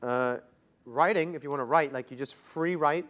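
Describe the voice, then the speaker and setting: Speaking at a moderate pace with a voice on the high side, a young man from Canada gives casual, relaxed interview answers. He leans heavily on "like" as a filler.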